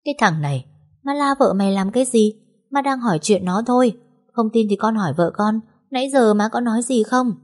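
A woman voicing a harsh older mother-in-law, sharp and contemptuous. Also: on the high side, fairly quick, voice pushed up, lightly acted. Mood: defensive.

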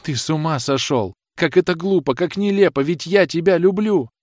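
A man's voice: medium pitch, a little fast, no room sound, clean studio sound, lightly acted. A man voicing a young kept woman who defends herself and pleads with her lover. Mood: pleading. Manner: defensive, then pleading and tearful. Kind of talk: audiobook character reading.

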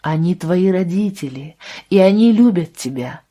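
A calm young man, voiced by a woman reader, speaking low and softly. He stays restrained and firm, never raising his voice. The tone is dark and a little husky. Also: moderate pace.

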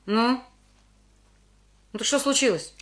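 A sharp, suspicious housewife. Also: female voice, a little high, slow pace. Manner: suspicious, sharp, exasperated questioning. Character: sharp-tongued middle-aged housewife and mother. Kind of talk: radio play acting.

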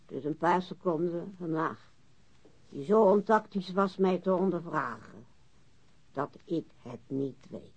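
Casting: boozy, refined widow, slow and prickly, with a gravelly, raspy female voice, for a muffled radio play. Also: fairly low pitch, animated, a little mellow. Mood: indignant. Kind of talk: radio drama acting.

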